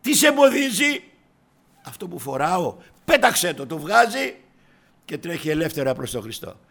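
A man preaching a sermon, swinging between soft murmurs and loud fervent cries, and often addressing his listeners as brothers. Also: fairly high pitch, very animated, vocal fry. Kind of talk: impassioned sermon.

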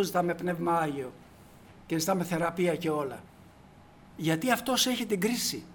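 A man preaching a sermon to his congregation, emphatic, swinging from quiet asides to loud declarations. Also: sits high, slight background noise. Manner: addresses the congregation as brothers.

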